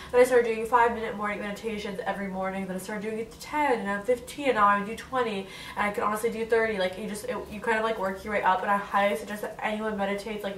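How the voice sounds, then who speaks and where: Congested young woman vlogging from her bed, talks fast, kinda echoey room and a bit off mic. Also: medium pitch, a bit bright, distant mic, slight background noise. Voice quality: nasal. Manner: chatty, full of "like" fillers. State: congested, stuffy nose. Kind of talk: casual Q&A vlog.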